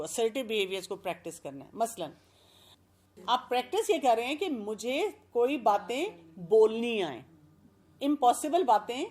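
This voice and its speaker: A woman speaking as an expert guest, explaining calmly and working through everyday examples. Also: fairly high pitch. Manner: calm, explanatory, gives examples. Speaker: expert guest giving parenting advice. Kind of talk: advice talk.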